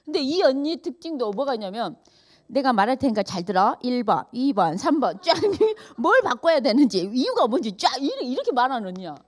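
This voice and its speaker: A middle-aged woman tells stories in a church sermon. Her voice sits high and swoops widely. She laughs often and acts out both sides of each exchange. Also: very animated, moderate pace. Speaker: pastor's wife giving a church message. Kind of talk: storytelling sermon. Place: church service.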